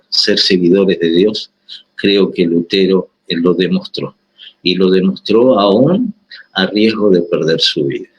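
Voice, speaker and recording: An Argentine man talks on a discussion panel in a very low, husky voice. He speaks haltingly, filling gaps and restarting his sentences as he goes. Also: low-quality recording. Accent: Argentine Spanish. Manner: hesitant, many fillers and restarts.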